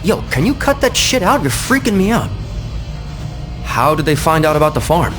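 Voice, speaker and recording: An actor playing a brash, nervous young street hood in a video game, slangy and defensive. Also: male voice, a little high, sing-song, moderate pace, over music. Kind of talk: video game cutscene acting.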